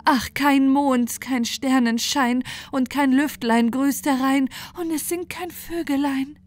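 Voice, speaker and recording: A woman voicing a gentle, devout young wife in a fairy tale, earnest and pleading in anguish. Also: high-pitched, steady tone, slow pace, voice pushed up. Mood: despairing. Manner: plaintive, earnest lamenting. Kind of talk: fairy-tale storybook acting. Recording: music bed under the voice.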